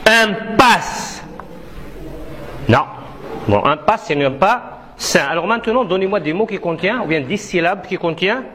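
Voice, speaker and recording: A man's voice: high-pitched, animated, a little fast, a bit bright, a little hiss or hum. A man teaching pupils in a classroom, repeating syllables one at a time and correcting answers with short, firm replies. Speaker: primary school teacher. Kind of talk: classroom pronunciation drill.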